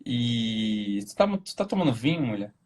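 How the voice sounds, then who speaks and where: A man hosting a casual live-stream conversation with a Brazilian Portuguese accent, animated, jumping into silly voices to make his point. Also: medium pitch, moderate pace. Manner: animated, acts out silly voices mid-explanation. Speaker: host.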